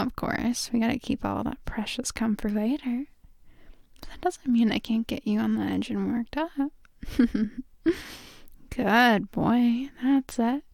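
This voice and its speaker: A woman performing intimate adult roleplay as a dominant, affectionate lover, murmuring drawn-out praise and sometimes slipping toward a whisper. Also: a little high, vocal fry, warm tone, no room sound, clean studio sound. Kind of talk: intimate erotic audio roleplay addressed to the listener.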